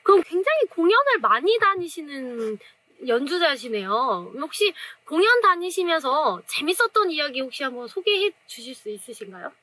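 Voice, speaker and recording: High, lively young woman host. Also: moderate pace, rough recording. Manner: polite, attentive, eager. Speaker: host, saxophone teacher. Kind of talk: interview questions. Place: indoor studio with curtain backdrop. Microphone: off-camera mic, seated two-shot.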